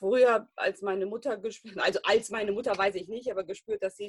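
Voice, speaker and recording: The woman's voice is somewhat breathy. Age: 40s. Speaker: interview guest. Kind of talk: interview.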